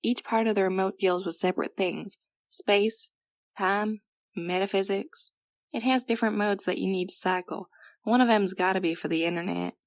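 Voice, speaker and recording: A stubborn young twin sister in an audio drama, acted by a woman, with a mid-pitched voice. She is anxious and gullible, and talks in loose, folksy slang. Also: moderate pace, lightly acted. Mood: insistent. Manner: folksy slangy speech with ain't and gotta.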